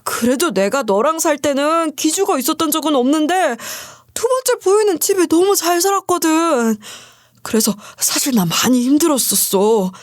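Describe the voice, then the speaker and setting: A woman's voice: very high-pitched, no echo, clean studio sound, voice pushed up. A woman voicing a self-pitying, remarried ex-husband who pleads and makes excuses in a storybook reading.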